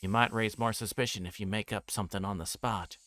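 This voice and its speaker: A man livestreaming a visual novel, reading its text aloud and breaking into casual, rambling commentary as he thinks out loud. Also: fairly low pitch, fairly even intonation, a little fast, slight background noise.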